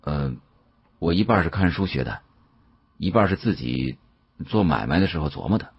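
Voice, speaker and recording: A man voicing a savvy, guarded young male antique dealer in an audiobook, with a husky voice. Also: low voice, animated, a little fast, no echo, lo-fi sound, full character voice.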